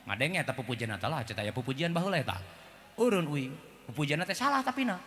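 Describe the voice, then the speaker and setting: A man with a Sundanese accent preaching a comic sermon, swinging between chanted verses, shouted warnings and low joking asides. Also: sing-song, fast. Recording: hall reverb, faint background noise.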